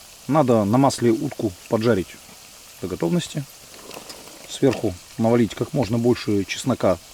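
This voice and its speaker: A man at a moderate pace, medium in pitch, with noticeable background noise. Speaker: outdoor vlogger. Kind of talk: vlog narration.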